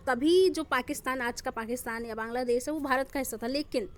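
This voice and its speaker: A woman's voice: sits high, brisk. A woman teacher giving an online class lecture. She explains step by step and talks straight to her students, often restarting and correcting words as she goes.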